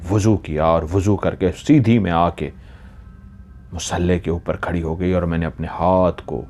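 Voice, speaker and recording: A man narrating a first-person horror story in a measured, dramatic way, dropping into hushed tones at tense moments. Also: deep voice, fairly even intonation. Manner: measured, hushing to near whispers in tense moments.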